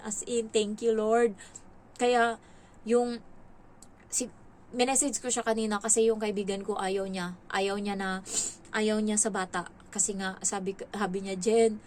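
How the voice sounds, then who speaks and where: A woman from the Philippines talks through her day as a domestic helper in a casual vlog, her voice sitting a little high. She is chatty and lively, often jumping into the voices of people she quotes. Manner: chatty, animated, quotes others in raised voices.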